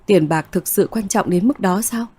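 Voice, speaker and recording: Mellow woman narrating a story. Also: mid-range voice, normal speed, slightly rough. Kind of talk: first-person story narration.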